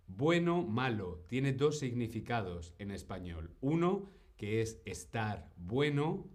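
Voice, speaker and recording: Man, Spanish teacher, live stream lesson, slow deliberate delivery, mid pitch, repeats words, answers chat questions. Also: darkish tone.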